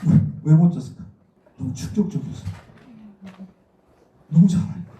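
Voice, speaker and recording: A middle-aged man with a Daegu accent speaks as a guest lecturer, telling personal stories in a conversational way. His voice is very dark, sitting a little high for a man. It comes through from a distance in an echoey room. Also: animated, moderate pace, muffled recording, a little hiss or hum. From Daegu, South Korea. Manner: conversational, acts out remembered dialogue. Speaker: guest lecturer, stage actor. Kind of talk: informal lecture with personal storytelling.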